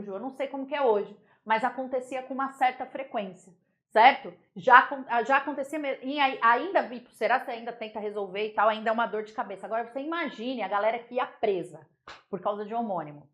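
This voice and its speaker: A young woman with a Brazilian Portuguese accent teaching a casual exam-prep grammar lesson, chatty and animated, often checking that her students follow. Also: on the high side.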